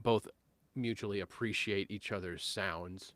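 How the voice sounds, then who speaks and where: A man in his late thirties hosting a casual live-stream chat about guitar tones, easygoing and quick to laugh. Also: lowish voice, steady tone, fairly bright tone. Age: 30s. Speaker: host.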